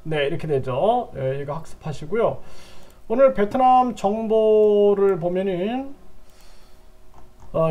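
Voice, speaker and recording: An older man teaching a language lesson, patiently repeating phrases and dropping his voice low on side remarks. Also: a little mellow. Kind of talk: lecture with repeated drills.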